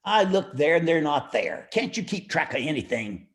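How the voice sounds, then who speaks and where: A man's voice: fairly high pitch, very animated, normal speed, a bit bright. An actor playing a cranky, forgetful old male jeweler, stammering and querulous in campy noir radio style. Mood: irritated.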